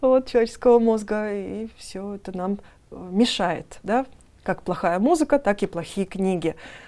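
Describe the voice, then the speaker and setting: At a fairly slow pace, a woman speaks at a medium pitch in a dark, mellow tone with ordinary pitch variation. Her loudness swings widely, and the recording is very clean with a silent background. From Georgia, Tbilisi. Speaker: university lecturer in Japanese studies. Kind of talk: interview.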